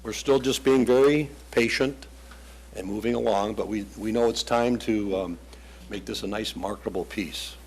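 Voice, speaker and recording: A man's voice: lowish voice, normal speed, darkish tone, slight background noise, low-quality recording. A man presenting as a property developer at a township planning meeting, casual and rambling.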